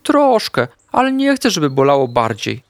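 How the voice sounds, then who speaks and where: Guy doing a squeaky scared little puppy for a kids story, whiny and pleading, bouncy voice, dead dry sound. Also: huge pitch swings, normal speed, dry recording. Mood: timid. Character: timid little male puppy, scared of doctors. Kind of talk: storybook character voice.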